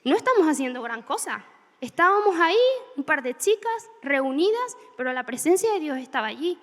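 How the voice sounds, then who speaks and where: A woman preaching a sermon, telling stories in an animated way with laughter. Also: high-pitched, fairly quick, big-room sound. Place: church hall.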